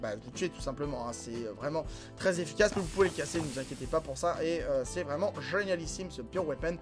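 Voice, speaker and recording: A man hosting a gaming channel, commenting casually and excitably on gameplay, filling his talk with voilà and hein. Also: a little high, quick pace. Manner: excitable, filler-heavy, frequent voilà and hein. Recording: game music clearly behind voice. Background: background music and in-game explosions.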